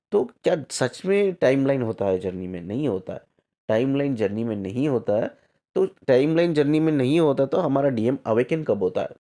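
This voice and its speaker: A man's voice: medium pitch, warm tone. A male spiritual coach explaining his ideas, asking rhetorical questions and checking in with the listener over and over, with English phrases slipped into Hindi. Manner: repetitive, rhetorical questions, frequent "theek hai" checks. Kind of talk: explanatory talk to camera.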